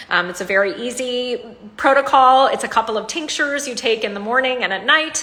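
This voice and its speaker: There is noticeable background noise as a woman speaks. Her tone is animated, and her pitch varies in an ordinary way. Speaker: healing coach. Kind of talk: live Q&A. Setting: livestream.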